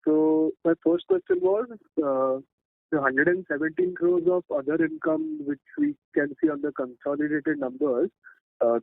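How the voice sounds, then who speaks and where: A man asking careful questions as an analyst on a conference call, heard over a phone line and pausing on fillers as he works through figures. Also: very high voice, creaky, no room sound. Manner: methodical, pauses on fillers while working through figures. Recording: tinny dry phone line.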